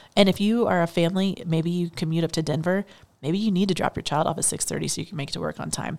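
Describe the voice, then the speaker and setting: Very fast and with fairly even intonation, a woman speaks at a fairly low pitch. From Texas. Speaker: nonprofit executive. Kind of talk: interview. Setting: in person at her organization's building.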